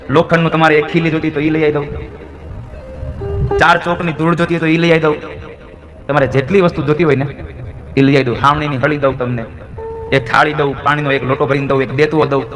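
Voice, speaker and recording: A man's voice: a little high, close to an everyday voice. A male storyteller voicing an eager, talkative young village milkmaid. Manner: pleading, chatty storytelling speech.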